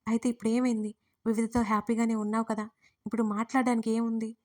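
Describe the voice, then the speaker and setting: A woman narrator voicing a hurt young woman who shouts angrily through tears in an audio story. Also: on the high side, flat delivery, fast, lightly acted. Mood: bitter.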